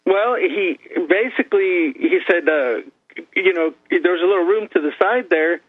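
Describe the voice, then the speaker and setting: A man's voice: high-pitched, normal speed, slightly rough. A man calling in to a talk show, telling a long story with laughs and quoted exchanges. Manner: rambling anecdote with laughs and quoted dialogue. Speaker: caller. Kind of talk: phone-in storytelling. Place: calling in from Texas. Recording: tinny dry phone line.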